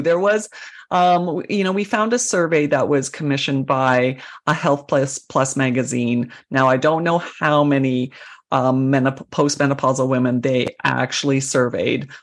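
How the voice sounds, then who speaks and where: A woman in her forties co-hosting a casual health podcast, talking informally and often circling back over her words. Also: low voice. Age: 40s. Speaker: podcast co-host.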